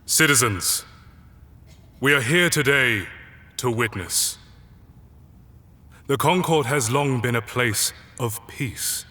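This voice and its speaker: Stern, bright-voiced authoritarian leader. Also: male voice, medium pitch. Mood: solemn, commanding. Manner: measured, pompous, deliberate. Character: stern, controlled authoritarian leader presiding over a trial. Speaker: presiding official. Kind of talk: formal public address in audio drama. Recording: long hall reverb, faint music behind.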